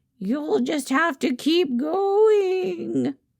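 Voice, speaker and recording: A woman puts on a character voice, pitched high. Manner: spooky; playful.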